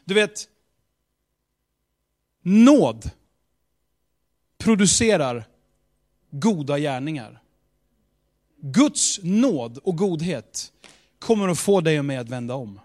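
A man's voice: fairly high pitch, big pitch swings, pauses often, darkish tone. A man preaching a sermon with emphatic, repetitive rhetorical build-ups and casual asides.

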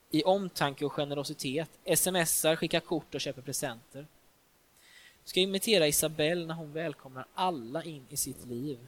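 A man's voice: on the high side, fairly bright tone. A man preaching a sermon in a church, talking informally with fillers and restarts.

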